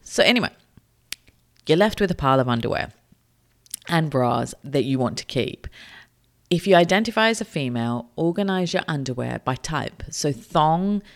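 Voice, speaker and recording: A woman's voice: sits low, expressive, normal speed. A woman hosting a podcast, giving casual, chatty and upbeat decluttering advice as a professional organiser. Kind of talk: casual tidying advice monologue.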